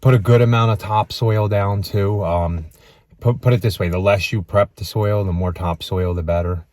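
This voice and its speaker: Man, very low voice, laid-back vlog chat, landscaping owner, easygoing tips. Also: normal speed, dry recording. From Western North Carolina. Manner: relaxed, offhand advice with fillers. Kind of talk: casual end-of-day chat to viewers.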